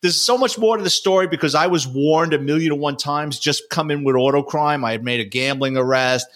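A man, a former police detective, telling war stories in a casual, profane, animated way. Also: fairly high pitch, brisk. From New York. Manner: profane, animated, acts out quotes. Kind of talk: casual storytelling.

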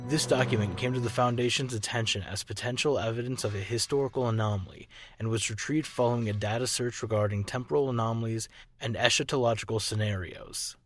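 Formal male narrator, even delivery, music clearly underneath. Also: medium pitch, quick pace. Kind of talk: scripted narration.

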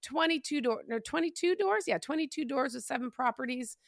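A woman hosting a podcast interview, excitable and chatty, with lots of fillers and restarts. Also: high-pitched, fairly quick, vocal fry, no echo, clean studio sound. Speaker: podcast host. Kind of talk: casual interview chat.

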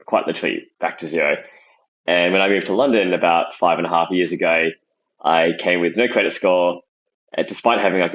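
A man's voice: low-pitched, fairly bright tone, low-quality recording. A man with an Australian accent, a startup founder telling his own story in a podcast interview. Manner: conversational, storytelling. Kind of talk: casual interview answers.

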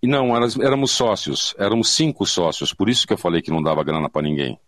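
This older man from São Paulo, Brazil, is a seasoned hand in advertising audio and voice work, speaking as a guest in a remote online conversation. He talks quickly in a low-pitched voice, casually and animatedly telling anecdotes, mimicking what people said and repeating phrases. The recording is dry and clean, with studio sound.

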